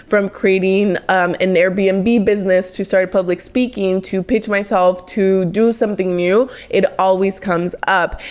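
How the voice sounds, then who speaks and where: A woman in her twenties with a Mexican accent, hosting a motivational solo podcast in an earnest, encouraging way, often speeding up in quick bursts. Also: medium pitch, clean tone. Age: 20s. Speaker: podcast host.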